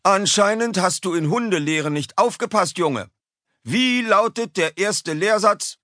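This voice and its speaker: A man's voice: animated, measured pace, dry recording, heavily acted. A man voicing a strict male tomcat schoolteacher who barks his orders in an audiobook for children. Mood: stern. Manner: barking, stern, shrill when yelling. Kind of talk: audiobook character voice. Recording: dry close studio sound.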